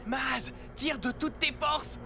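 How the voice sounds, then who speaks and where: High-pitched, brash cartoon superhero kid. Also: female voice, slow, loud music behind the voice. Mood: urgent. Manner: slangy, brash, exclamatory. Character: cheeky, brash young superhero, bold and slangy. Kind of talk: French cartoon dubbing.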